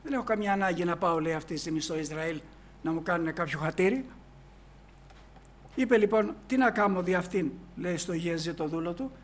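A man preaching in a storytelling way, reading old scripture verses slowly and then explaining them in everyday speech, with many "he says" asides. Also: fairly high pitch. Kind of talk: sermon retelling a Bible story.

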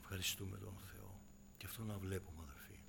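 A man preaching a sermon to his congregation, dropping to hushed asides and then rising into loud, impassioned exhortation. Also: low voice, steady tone, creaky, noisy background. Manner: keeps addressing listeners as brothers and sisters.

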